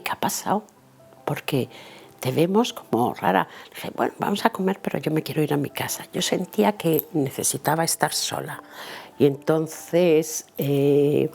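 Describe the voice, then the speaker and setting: Middle-aged woman with a gravelly voice, recounting her testimony vividly and playing every voice in it. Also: deep voice, a little mellow. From Italy and Spain. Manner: vivid, acts out dialogue and inner thoughts. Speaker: interviewee giving a faith testimony. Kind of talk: personal storytelling.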